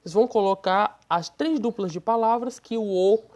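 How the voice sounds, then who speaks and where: A woman's voice: medium pitch, moderate pace, a little mellow. Patient Brazilian woman teaching a lesson. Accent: Brazilian Portuguese. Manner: patient, explaining step by step, uses diminutives. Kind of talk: online Portuguese lesson.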